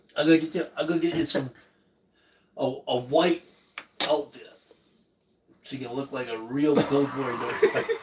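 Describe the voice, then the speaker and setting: Loud background noise sits behind a man talking at a moderate pace. His intonation is fairly even, with long, frequent pauses. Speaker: co-host, husband of the host. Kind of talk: casual live-stream chat. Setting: home kitchen live stream. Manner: joking. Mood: joking, teasing banter. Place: kitchen. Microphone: phone near.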